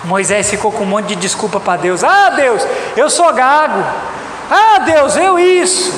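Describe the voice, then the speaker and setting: Brazilian preacher guy, really high voice, emphatic and repeats stuff, echoey room with noticeable noise. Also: very animated, measured pace. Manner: emphatic, repetitive, addressing the congregation directly. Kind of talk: sermon. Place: reverberant church hall. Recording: echoey hall, loud background noise.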